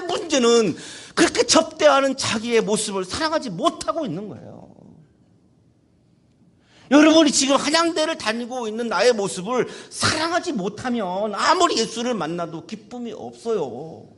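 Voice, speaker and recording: A male pastor preaching a sermon at a university chapel, animated and playful, acting out quotes and calling on listeners. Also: extremely high pitch, moderate pace.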